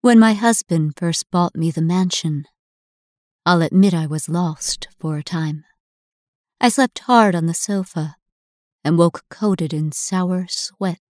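Low-voiced woman narrating dark fiction. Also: no echo, clean studio sound. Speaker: story narrator. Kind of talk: first-person horror story narration.

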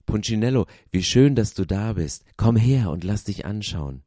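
A man voicing a big, bearded, kindly woodcarver with a deep, strong voice and a slow, reassuring manner. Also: expressive, dark tone, no room sound, studio quality.

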